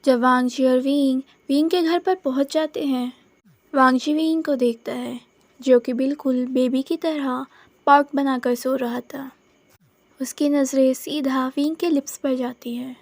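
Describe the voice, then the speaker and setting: Female storyteller, high-pitched, chatty casual narration. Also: steady tone, measured pace, no room sound. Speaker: fanfiction storyteller.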